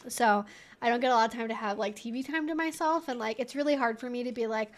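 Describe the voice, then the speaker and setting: A woman's voice: a little high, fast. A woman livestream host chatting casually, in a rambling, informal way peppered with "like". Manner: rambling, informal, frequent "like" and swearing.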